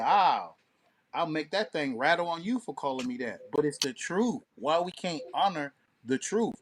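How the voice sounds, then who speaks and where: A man with a somewhat high-pitched voice talks casually as a show co-host. He is opinionated and emphatic, leaning on street slang and swearing freely. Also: a bit bright, low-quality recording.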